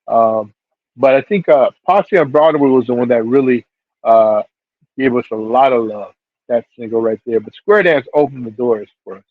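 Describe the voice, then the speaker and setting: Heard over a thin, phone-like line with no room sound, this middle-aged man from Seattle speaks at a normal speed with a medium-pitched voice. He's a hip-hop DJ and label figure recounting his story in a casual interview, easygoing and full of fillers, his voice leaping up whenever he quotes a reaction.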